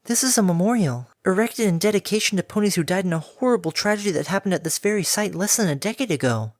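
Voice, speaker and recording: A man putting on a gentle soft-spoken mare pony. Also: sits high, animated, quick pace, no echo, studio quality, voice pushed up. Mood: gentle somber. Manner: soft, breathy, sweet.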